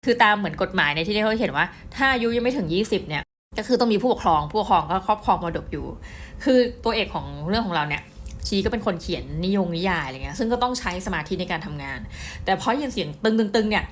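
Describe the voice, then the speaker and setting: A woman's voice: medium pitch, quick pace, a little hiss or hum. Chatty middle-aged woman reviewing books. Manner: chatty, addresses viewers directly, excitable storytelling. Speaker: book reviewer. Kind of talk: casual book review.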